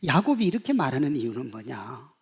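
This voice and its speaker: A pastor in his fifties preaching a sermon, swinging from loud emphasis to hushed asides and acting out quoted voices. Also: medium pitch, big pitch swings, fairly quick, husky. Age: 50s.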